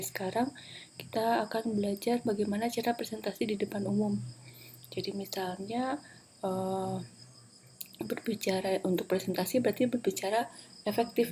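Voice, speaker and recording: A woman's voice: mid-range voice, mellow, slight background noise. A woman giving an online lecture on presentation skills, explaining step by step with many fillers. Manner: explanatory, many fillers, switches into Japanese example sentences. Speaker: Japanese language lecturer.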